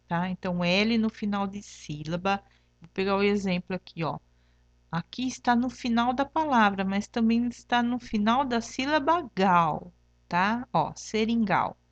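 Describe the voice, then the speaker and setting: This teacher speaks in a mid-range voice, recorded with no echo and the highs cut off. Teaching remotely with a Brazilian Portuguese accent, she goes through the lesson patiently, checks in with "tá?" after every point, and breaks examples into syllables.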